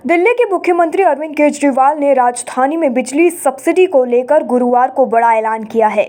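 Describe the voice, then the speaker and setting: Woman anchor reading headlines, high voice, brisk formal news read. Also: a little mellow. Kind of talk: scripted news bulletin reading.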